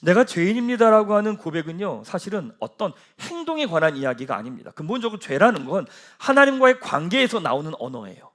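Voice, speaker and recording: High, lively-voiced male pastor preaching. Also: quick pace, few pauses. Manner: preaching with rhetorical questions and rising emphasis. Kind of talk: sermon.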